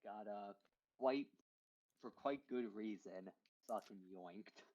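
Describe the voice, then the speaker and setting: A man's voice: fairly low pitch, slow pace, a crowd in the background. A man playing a tabletop game, bantering casually and crudely, on a muffled microphone with some noise and clicks.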